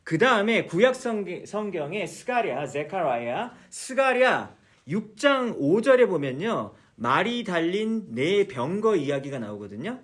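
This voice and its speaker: A man's voice: high voice, sing-song, unhurried. A man teaching a church Bible study, explaining patiently, repeating key words and asking his listeners many questions. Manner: mixes English words into explanations.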